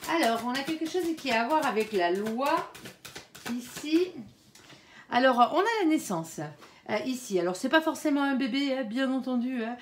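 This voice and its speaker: A chatty woman reads tarot cards aloud in a lively, fairly high voice that swoops up and down. She fills her talk with small interjections and softly asks her guardian angel for guidance. The sound is roomy, with a clear echo. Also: moderate pace, a little hiss or hum. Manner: chatty, peppers speech with "hein" and "alors". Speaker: tarot card reader. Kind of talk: casual spoken tarot reading to viewers. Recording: echoey room.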